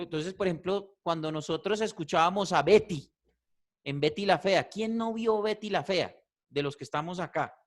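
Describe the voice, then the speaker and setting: A man teaching a voice class, animated and repetitive, checking in with "¿cierto?" often. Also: fairly high pitch. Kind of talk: online class feedback.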